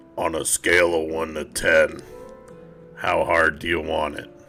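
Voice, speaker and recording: Over clear background music, a man uses a put-on character voice, very deep and low, at a moderate pace. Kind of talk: casual, asking about massage pressure.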